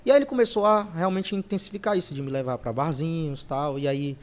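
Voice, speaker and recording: On a podcast, a male guest with a fairly high voice for a man tells stories quickly and casually. He's a lively storyteller who brings his anecdotes to life by performing the voices of the people he quotes, in a relaxed interview format.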